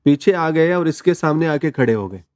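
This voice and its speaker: A man's voice: fairly high pitch, lively intonation, normal speed, dry recording, clean studio sound. A man, telling a personal story as an interview guest in an earnest, conversational way. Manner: earnest storytelling, mixes in English words.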